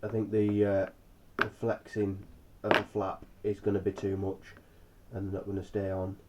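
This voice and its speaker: A man with a croaky, froggy voice from being under the weather, casually explaining a hands-on DIY job as a vlogger. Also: lowish voice, completely flat delivery, normal speed, heavy background noise.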